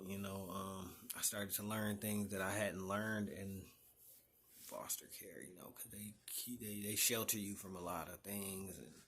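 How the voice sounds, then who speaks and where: A man's voice: sits low, a bit bright, a little hiss or hum. A man with a Detroit accent, talking casually to his viewers in a rambling vlog about himself, full of fillers and restarts. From Detroit, Michigan. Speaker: vlogger.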